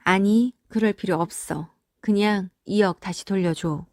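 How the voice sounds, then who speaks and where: A woman's voice: medium pitch, unhurried, a little mellow, no room sound, clean studio sound, lightly acted. A woman voicing a hurt but firm older mother in a story, speaking with reproach and resolve. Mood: aching, resolute.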